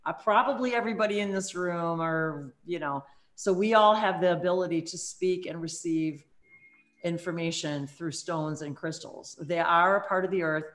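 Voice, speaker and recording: A woman hosting a spiritual live-stream chat over a video call, speaking slowly and sometimes chanting strings of invented syllables. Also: lowish voice. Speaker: host.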